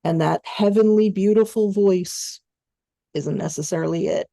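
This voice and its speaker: A woman coaching voice-over students in an online training session, explaining in a steady conversational way. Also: medium pitch, normal speed, gravelly, dry recording.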